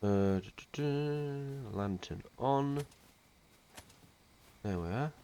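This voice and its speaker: A man's voice: medium pitch, animated, very slow, mellow, clean tone. A man with a slightly nasal voice from a cold, giving casual, rambling commentary while playing a video game. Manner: chatty, rambling, with fillers. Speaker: let's play host.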